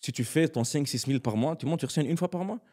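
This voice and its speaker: A man's voice: a little high, fast. A man, a comedian and actor, telling stories as a podcast guest in slangy speech that slips into English. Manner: animated, slangy, mixes in English. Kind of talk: casual storytelling in conversation.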